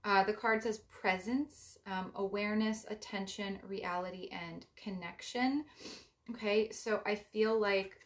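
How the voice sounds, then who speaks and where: Young woman w a raspy voice doing a card reading, rambly and soft-spoken, medium pitch. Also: fairly even intonation, a little slow. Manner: meandering, filler-heavy, gentle advice. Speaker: psychic card reader. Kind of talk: casual spiritual card reading to camera.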